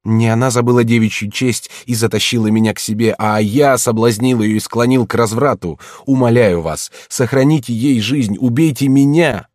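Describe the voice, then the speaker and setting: A man's voice: on the low side, moderate pace, a little mellow, no room sound, clean studio sound. A man voicing a young masterless samurai in a read-aloud tale, earnest and pleading.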